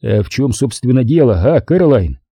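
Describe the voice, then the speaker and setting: A man reading an audiobook, voicing a wry male bookseller with slow deadpan replies. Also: mid-range voice, breathy edge, no room sound, clean studio sound.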